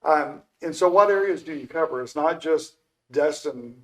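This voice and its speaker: A man's voice: a little high, moderate pace, a bit bright, rough recording. An older man hosting an interview show, chatty and rambling, often restarting his questions. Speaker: show host. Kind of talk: casual interview conversation.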